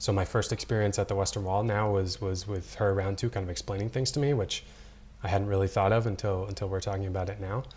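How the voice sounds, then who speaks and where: At a very fast pace, a man talks in a somewhat breathy, fairly low voice with fairly even intonation. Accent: Midwestern American. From US Midwest, northern Michigan (Traverse City). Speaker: think tank director, religious convert. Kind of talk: interview, personal story.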